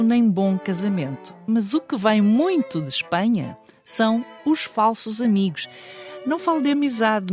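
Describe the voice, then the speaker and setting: A woman's voice: a little high, a little mellow. A woman hosting a radio segment, moving from a scripted introduction into engaged interview chat. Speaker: radio host.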